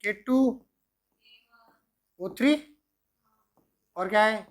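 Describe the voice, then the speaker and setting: A male chemistry teacher working through examples, asking himself questions and answering them, and dictating formulas slowly piece by piece. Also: high-pitched, fairly bright tone. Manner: answers own questions, repeats "ठीक है" often. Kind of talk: explaining worked examples at a board.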